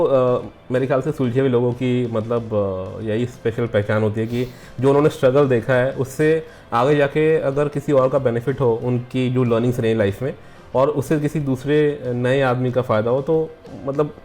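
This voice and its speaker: A man's voice: mid-range voice, normal speed, darkish tone, soft background music. A man hosting an interview, asking long rambling questions full of fillers and switching into English mid-sentence. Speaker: interviewer, show host. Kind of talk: casual interview conversation.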